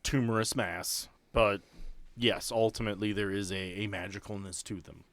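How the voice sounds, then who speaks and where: A man's voice: on the low side, little pitch movement, normal speed, fairly bright tone, no room sound. A man running a tabletop game as game master, narrating and explaining the rules in a conversational way. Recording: music behind the voice. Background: background music.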